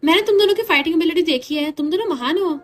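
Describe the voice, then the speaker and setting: A woman's voice: extremely high pitch, quick pace, faint music behind. A woman voicing a cheerful, wealthy mother-in-law who dotes on her daughters-in-law. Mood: delighted. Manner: delighted, warm.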